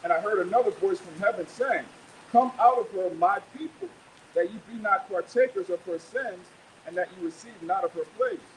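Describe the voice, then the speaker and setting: A man declaims scripture loudly, verse by verse. A faint hiss runs behind the reading. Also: sits high, moderate pace, poor audio. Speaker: scripture reader. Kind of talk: loud declamatory Bible reading.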